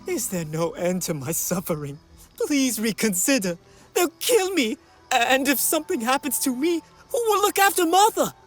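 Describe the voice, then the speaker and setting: Nervous pleading shop lady in a video game, bit husky, very up and down, faint music. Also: sits high, big pitch swings, moderate pace. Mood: despairing. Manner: pleading, worried. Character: anxious, pleading woman shopkeeper with a secret. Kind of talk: video game character acting.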